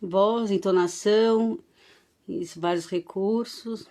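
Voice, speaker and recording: A woman from Brazil, an early childhood educator giving a live online talk, chatty and full of tag questions, growing animated as she leads the audience in games. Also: mid-range voice, takes it slowly.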